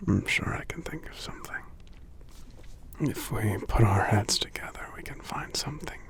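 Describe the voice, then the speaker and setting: A man playing a sick, gentle giant lover in an ASMR roleplay, murmuring drowsily and tenderly in a breathy whisper with gravelly hums. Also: lowish voice, animated. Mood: weary, gentle. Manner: slow, tender, halting, murmuring hums between phrases. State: drowsy, under the weather.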